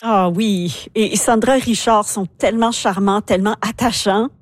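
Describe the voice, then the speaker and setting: A woman hosts a radio interview, her voice sitting at an ordinary middle pitch. She puts her questions clearly and calmly. The sound is dry and close, with no room echo. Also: normal speed. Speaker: radio host.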